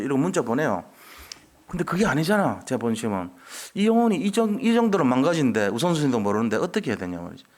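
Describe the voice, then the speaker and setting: A man preaching a sermon as pastor, asking rhetorical questions and acting out the voices of churchgoers he quotes. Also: medium pitch. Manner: animated, acts out quoted voices of churchgoers and children; scolding then softening, rhetorical questions. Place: church sanctuary.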